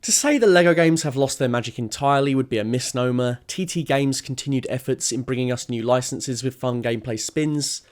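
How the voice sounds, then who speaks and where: A man's voice: medium pitch, fairly quick, hardly any pauses. A young man giving scripted opinion narration as a video essayist, conversational, opinionated and emphatic.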